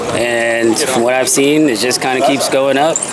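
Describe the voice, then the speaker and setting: A man speaks at a medium pitch with fairly even intonation. Audible room echo and noticeable background noise surround his voice. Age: 30s. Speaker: interviewee on the street. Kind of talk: casual street interview. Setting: outdoors. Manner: halting, many fillers.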